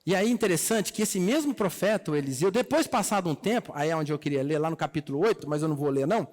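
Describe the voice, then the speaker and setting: A man's voice: fairly high pitch, expressive, fast, darkish tone, long reverb tail. A man with a Brazilian Portuguese accent, preaching a sermon. He retells a Bible story in casual speech and acts out the characters' lines. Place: church hall.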